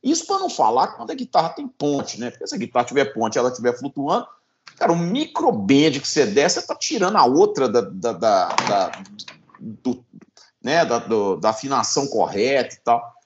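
A man in casual conversation about guitars, animated and swearing, often restarting his sentences. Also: mid-range voice, moderate pace, slight background noise. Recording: dull lo-fi sound.

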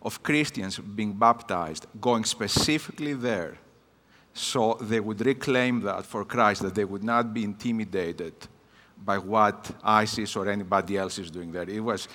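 Bright-voiced Greek man in a reverberant hall. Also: fairly low pitch, measured pace. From Greece. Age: about 50. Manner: warm, personal, with hesitant fillers. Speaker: guest missions speaker. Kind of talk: church conference talk. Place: church hall.

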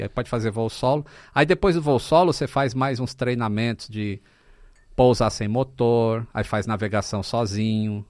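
Relaxed Brazilian man in his fifties. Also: mid-range voice, clean tone, no echo, clean studio sound. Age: 50s. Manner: relaxed storytelling with fillers. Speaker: podcast guest. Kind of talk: casual chat.

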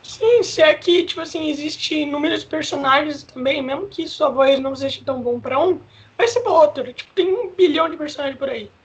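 A woman's voice: high voice, fairly quick. A Brazilian woman interviewing a guest in a casual, slangy, eager way. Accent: Brazilian Portuguese.

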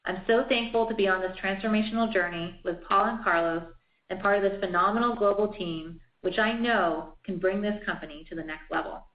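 Woman, company executive, formal scripted reading, medium pitch, echoey dull conference line. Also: fairly quick. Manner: formal, reading prepared remarks. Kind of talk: scripted earnings call remarks. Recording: dull, roomy conference call audio.

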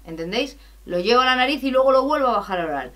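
Woman from teaching singing, chatty, bright tone, keeps asking if you got it. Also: on the high side, expressive, racing. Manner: chatty, explains step by step with frequent checks; sings loud sustained vowel demos. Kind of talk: podcast lesson on vocal technique.

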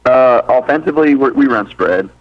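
A man in his thirties, a high school football head coach from Birmingham, talking through an interview in an easygoing, rambling way with lots of fillers and restarts. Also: lively intonation, normal speed, no echo. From Birmingham, Alabama. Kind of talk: interview on a sports radio show. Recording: dull lo-fi radio audio.

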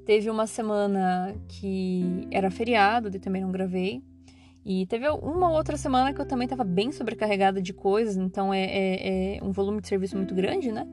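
A woman's voice: medium pitch, moderate pace, over music. A Brazilian woman talking casually as a podcast host and teacher, rambling with many fillers and restarts. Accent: Brazilian Portuguese. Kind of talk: casual solo podcast chat.

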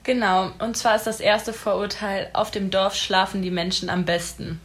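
A woman's voice: medium pitch, level tone, moderate pace. An eighteen-year-old woman from Jülich who leads the discussion, asking her friends questions in a curious way. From Jülich, Germany. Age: young adult. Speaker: discussion moderator. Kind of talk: casual discussion.

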